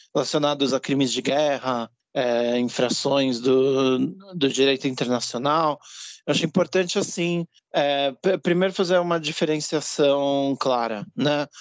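This man has a plain, everyday voice, fairly high in pitch with ordinary pitch variation. He talks at a fairly slow pace with very even loudness. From Brazil, São Paulo. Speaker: government legal adviser. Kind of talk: interview.

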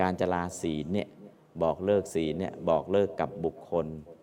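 The man's very deep, low pitch carries a dark, mellow tone and fairly even intonation. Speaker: Buddhist scripture teacher. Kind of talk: lecture.

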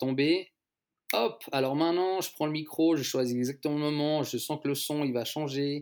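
A plain, everyday voice belongs to this man, who speaks at a moderate pace with a fairly high pitch and fairly even intonation on a very clean recording with a silent background. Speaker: hip-hop event organizer and battle MC. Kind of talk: casual interview. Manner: relaxed, laughs often.

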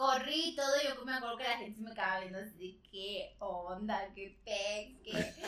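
A woman with a fairly high voice speaks with hardly any pauses amid audible room echo and noticeable background noise. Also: ordinary pitch variation, moderate pace. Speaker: podcast host. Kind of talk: casual chat.

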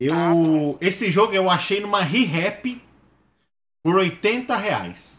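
With long, frequent pauses, a man speaks at a very slow pace in a high pitch, with ordinary pitch variation and very even loudness, on a very clean recording with a silent background. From São Paulo state, Franco da Rocha area. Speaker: gaming group member. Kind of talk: casual chat.

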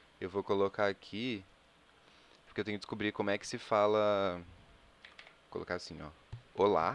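Speaking at a moderate pace in a fairly low voice, a man leaves long, frequent pauses and swings widely in loudness, with a dry, close sound and no echo. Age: 20s. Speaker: podcaster. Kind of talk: casual chat.

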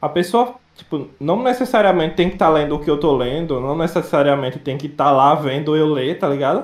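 A man's fairly high-pitched, ordinary speaking voice at a fairly quick pace, with lively intonation. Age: 20s. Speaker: Twitch streamer. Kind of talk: casual chat.

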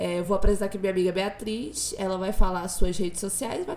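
A woman's medium-pitched voice with ordinary pitch variation, at a fairly quick pace, over noticeable background noise. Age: 20s. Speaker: podcast host. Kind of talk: casual chat.

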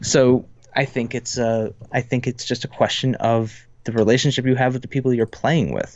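A man with an American accent speaks at a moderate pace. His intonation is monotone and flat. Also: medium pitch for a man. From northeastern US, New Jersey then upstate New York. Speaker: podcast host and card game writer. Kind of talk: casual chat.

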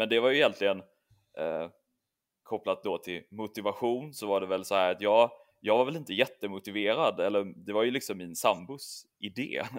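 Speaking at a moderate pace, a man with a fairly low voice uses ordinary pitch variation. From southern Sweden, Ystad in Skåne. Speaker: IT consultant, former military officer trainee. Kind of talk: casual chat.

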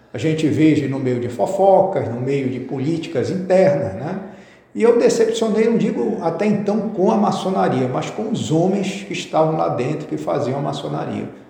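Amid noticeable background noise and audible room echo, a man with a fairly high pitch speaks at a moderate pace, his pitch swinging very widely. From Belém, Pará, Brazil. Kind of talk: personal testimony interview.

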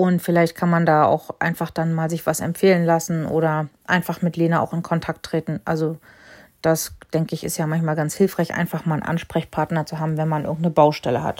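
In a very clean recording with a silent background, a woman speaks fairly quickly in a fairly low pitch with monotone, flat intonation. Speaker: podcast host. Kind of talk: casual interview chat.

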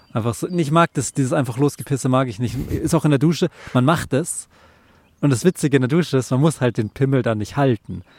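The speaker's somewhat breathy voice moves at a fairly quick pace with ordinary pitch variation, in a dry, close sound with no echo. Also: man, medium pitch for a man. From Bavaria, Germany. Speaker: podcast co-host. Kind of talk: casual chat. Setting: outdoors at a lake beach.

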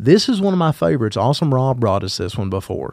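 Very fast speech comes from a man with an Appalachian accent on a very clean recording with a silent background. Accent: Appalachian Southern US. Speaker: podcast host. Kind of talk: casual chat. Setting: studio.

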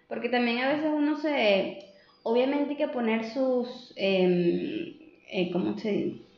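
A woman speaks at a very slow pace with a high pitch and very even loudness. Noticeable background noise and room echo can be heard. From Venezuela. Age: 30s. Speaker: pastry entrepreneur. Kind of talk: casual interview.

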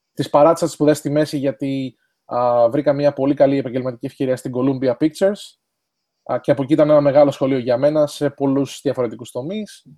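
A man talks in a dark, mellow tone. The sound is dry and close with no echo, over a quiet background. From Greece, Athens. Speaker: event organizer. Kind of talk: interview. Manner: halting.

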